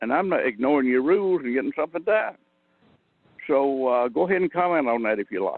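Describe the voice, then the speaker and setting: At a very fast pace, a man speaks with lively intonation. His pitch is fairly high. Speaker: dowsing teacher and speaker. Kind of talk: teleconference talk.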